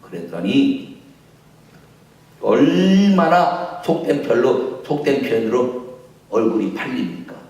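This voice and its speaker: A male pastor preaching a sermon and telling stories, jumping between loud high acted voices and low quiet asides. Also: very animated, slow, pauses often. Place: church sanctuary. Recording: echoey church hall, mic at a distance.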